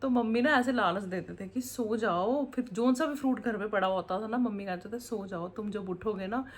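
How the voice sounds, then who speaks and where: A woman's voice: fairly high pitch, fairly quick. A woman, chatting casually and rambling as she cooks in her home kitchen, laughing often. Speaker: vlogger, mother. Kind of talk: casual home vlog chat.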